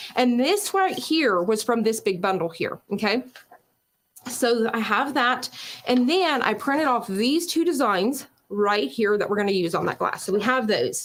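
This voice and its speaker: The speaker sounds animated, with very wide pitch swings. Loudness stays very even at a moderate pace. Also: woman, fairly high pitch for a woman. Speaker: crafting tutorial host. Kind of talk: live tutorial.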